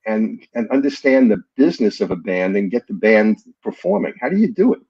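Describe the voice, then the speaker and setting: A man hosting an interview, asking questions in halting, restarting phrases. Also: on the low side, animated, breathy edge, no echo, muffled recording. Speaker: interviewer host.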